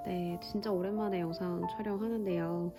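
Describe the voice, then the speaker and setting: A woman who directs a Pilates studio, talking reflectively to fellow instructors in a measured way, pausing and correcting herself as she thinks aloud. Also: fairly low pitch, fairly even intonation. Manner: thoughtful, measured, with frequent pauses and self-corrections. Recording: music playing clearly under the voice.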